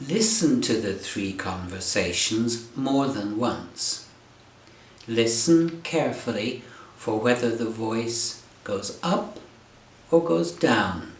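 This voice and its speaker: A male English tutor talks learners through a lesson in a clear, deliberate, encouraging way. He speaks very slowly at an ordinary pitch. His voice carries a noticeable room echo. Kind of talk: slow, careful teaching explanation. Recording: roomy echo.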